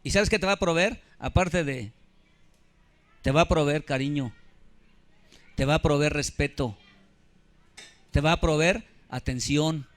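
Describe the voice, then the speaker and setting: A man's voice: on the high side, unhurried, long pauses. A man, preaching a sermon as pastor with emphasis, keeps putting questions to the congregation. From Mexico. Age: 50s.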